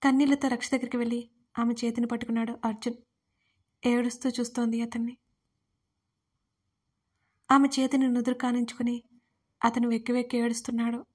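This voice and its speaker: Woman narrating a story in a high flat voice. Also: fairly quick, pauses often. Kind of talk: scripted narration of a love story.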